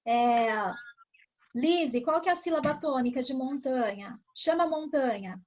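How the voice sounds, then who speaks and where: Patient, high-voiced woman teacher. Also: animated. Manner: patient, explains slowly and asks pupils questions. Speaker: primary school teacher. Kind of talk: online class review with pupils.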